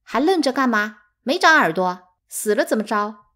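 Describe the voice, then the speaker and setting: A woman's voice: fairly high pitch, animated, moderate pace, sharp tone, voice pushed up. A woman reading aloud, voicing a smug, mocking teenage servant girl who taunts the younger children. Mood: scornful. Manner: taunting, scornful.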